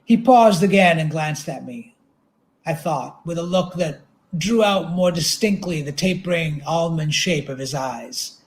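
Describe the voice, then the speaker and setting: A man reading literary narration aloud at an event, with a measured, dramatic delivery. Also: fairly high pitch.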